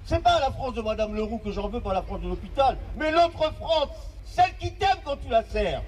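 A man in his fifties with a very high voice delivers an impassioned, oratorical testimony. He builds it with dramatic pauses and repetition. He sounds set back from the mic, with a faint hiss behind him. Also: sing-song, darkish tone, distant mic, poor audio. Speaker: care aide giving a testimony.

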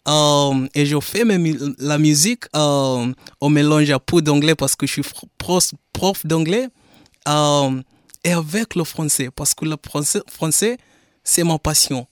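A man's voice: a little high, measured pace, dry recording, studio quality. A young man from Kenya, a Swahili native speaker, answering a radio interview as a musician and English teacher, speaking carefully in a second language. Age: young adult. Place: radio studio.

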